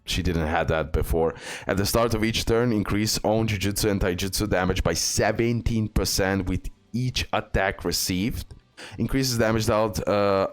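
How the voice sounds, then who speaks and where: Brief: low-voiced male gaming host, casual reading of game stats with ums. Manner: reads skill text aloud with fillers and restarts. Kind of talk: game tier list commentary.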